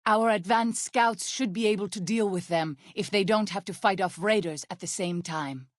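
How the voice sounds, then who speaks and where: An actress voicing a solemn, devout tribal woman in a video game, speaking in a formal, measured and earnest way. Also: medium pitch, no echo, studio quality, lightly acted. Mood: cautious, advising. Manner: formal, measured, earnest speech with few contractions. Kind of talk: video game character dialogue.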